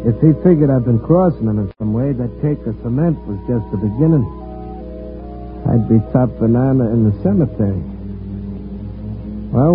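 A man plays a luckless, jittery small-time mug in an old radio crime comedy. He talks in colorful street slang with a put-upon air, at a medium pitch. The recording is thin and tinny, with faint music at times. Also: close to an everyday voice. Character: hapless, nervous small-time wise guy telling his tale.

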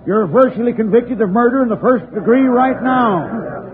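An actor playing a tough middle-aged police chief in a 1940s radio drama, blunt and matter-of-fact. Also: male voice, very high voice, normal speed, a little hiss or hum. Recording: tinny old radio broadcast.

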